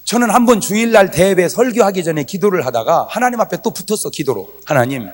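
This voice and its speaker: A male pastor preaching a revival sermon to a congregation, animated, breaking into shouts and acted-out quoted prayers. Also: high-pitched, quick pace, big-room sound. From South Korea. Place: church sanctuary before a congregation.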